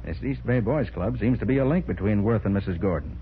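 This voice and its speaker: An American actor playing a confident, shrewd private detective with brisk, probing questions in 1940s radio crime drama style. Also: male voice, on the low side, lightly acted. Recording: muffled, noisy 1940s radio recording.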